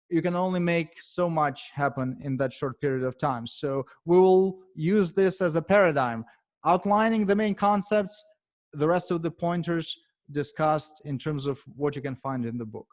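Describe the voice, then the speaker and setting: Speaking as an author at a professional meetup, this Ukrainian-accented man has a slightly high voice. His presentation is measured, broken up by frequent pauses and fillers.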